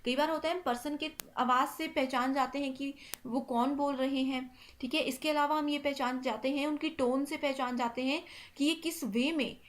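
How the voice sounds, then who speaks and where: High-voiced woman teaching an exam class. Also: steady tone, normal speed. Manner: repeats "ठीक है" constantly, mixes English terms into Hindi. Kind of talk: online exam-prep lecture.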